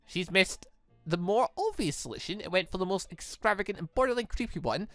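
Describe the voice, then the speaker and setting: A game streamer giving enthusiastic commentary and reading a visual novel aloud, quick to laugh. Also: mid-range voice, expressive, dry recording. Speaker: video game playthrough host. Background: music.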